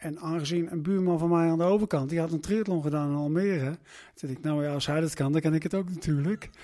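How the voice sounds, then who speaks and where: A man with a fairly high pitch and a dark, mellow tone speaks at a very fast pace with fairly even intonation. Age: 70s. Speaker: triathlete. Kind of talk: interview. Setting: at home kitchen table.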